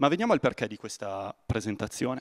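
A man talks very fast against a quiet background. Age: 20s. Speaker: presenter. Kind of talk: pitch presentation. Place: hall. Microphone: handheld.

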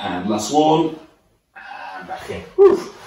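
Over light background noise and audible room echo, the speaker goes at a very slow pace with very wide pitch swings. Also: man. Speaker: fitness instructor. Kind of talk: guided workout demonstration. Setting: video, indoors hotel-style room. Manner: encouraging, coaching cues; steady, rhythmic rep counting. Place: home room. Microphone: camera far.

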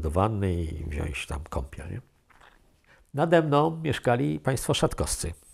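A man talks at a moderate pace in a fairly low pitch, his voice swinging very widely up and down. The background is quiet. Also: big swings in loudness. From Gdańsk, northern Poland. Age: 70s. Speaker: local resident sharing memories; interviewee. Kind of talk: oral history interview; interview answer. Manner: halting. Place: home room. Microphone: lapel.

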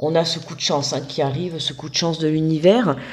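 This woman's voice sits very deep and low. She speaks at a moderate pace. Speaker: tarot card reader / spiritual guidance youtuber. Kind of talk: tarot reading monologue to camera. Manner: casual, chatty with many fillers. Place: home room.

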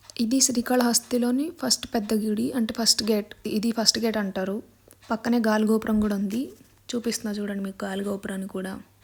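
A woman with fairly high pitch sounds somewhat breathy and keeps her intonation fairly even. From Andhra Pradesh, Srikalahasti area. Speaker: vlogger. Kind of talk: casual vlog narration. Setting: outdoors at street festival.

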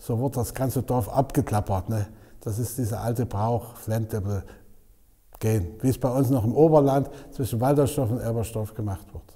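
Against a quiet background, a man speaks in a dark, mellow tone. His voice is somewhat breathy. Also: ordinary pitch variation, moderate pace. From Upper Lusatia, Germany. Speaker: local tradition and dialect keeper. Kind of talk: interview answer. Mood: warm, good-humoured. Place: hall.

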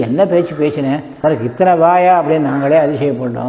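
A man with a fairly high pitch and ordinary pitch variation talks over noticeable background noise. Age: 80s+. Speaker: senior devotional volunteer. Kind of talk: interview answer.

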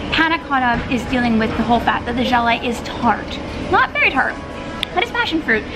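Music plays in the background. A woman speaks at a fairly quick pace with ordinary pitch variation. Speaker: food reviewer. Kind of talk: casual vlog chat. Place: cafe. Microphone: phone near.

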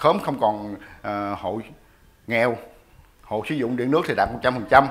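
A man at a fairly slow pace. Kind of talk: interview answer. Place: office.

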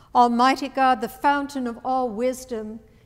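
A woman is talking at a fairly unhurried pace. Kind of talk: liturgical reading. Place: church.

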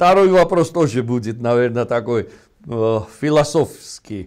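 Against a quiet background, a man talks very slowly with lively intonation. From Georgia. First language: Georgian (speaking Russian). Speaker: host. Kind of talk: discussion. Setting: video call. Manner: halting. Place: studio. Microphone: lapel.

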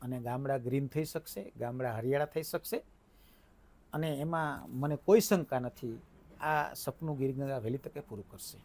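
An ordinary speaking voice shows big swings in loudness. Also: man, fairly high pitch for a man, ordinary pitch variation. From Saurashtra, Gujarat (village near Rajkot). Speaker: water conservation trust leader. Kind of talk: interview. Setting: studio.

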